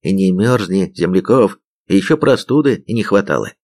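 A curt middle-aged army major giving short, gruff orders in a low voice that a male narrator puts on. He sounds like a figure from an audiobook. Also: lively intonation, moderate pace, a little mellow.

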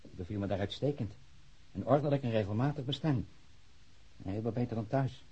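An actor playing a formal, evasive ex-convict villager being questioned by police in a radio drama. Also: male voice, medium pitch, brisk, warm tone, breathy edge, close to an everyday voice. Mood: contented. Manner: stiff, precise, evasive. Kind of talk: naturalistic Dutch radio drama acting. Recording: muffled, dull radio drama recording.

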